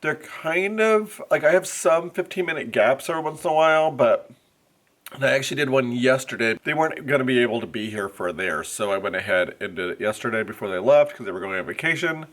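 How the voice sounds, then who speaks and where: A man's voice: mid-range voice, expressive, brisk, a bit bright. A man in his forties, a teacher, talking casually to camera in a rambling, chatty way, his voice congested. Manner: rambling, chatty, many fillers. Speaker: first grade teacher vlogger. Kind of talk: casual vlog chat to camera. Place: classroom, then inside a car. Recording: faint road noise.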